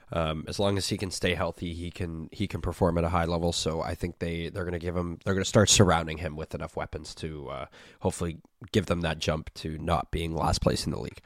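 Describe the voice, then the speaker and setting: A man's voice: deep voice, no room sound, studio quality. A man hosting a casual sports chat, sounding stuffy as he gets over a sickness. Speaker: podcast host.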